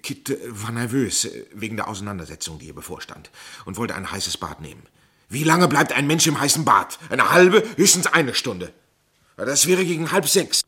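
A man playing an agitated, defensive lover under suspicion in a crime radio play, arguing urgently and haltingly. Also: mid-range voice, big pitch swings, pushed and bright, husky, exaggerated voice. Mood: tense, troubled.

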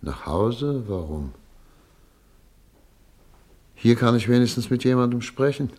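A man acting in a German radio play as a weary, dignified émigré doctor, grave, deliberate and melancholy. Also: medium pitch, very animated, a little mellow. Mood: wistful.

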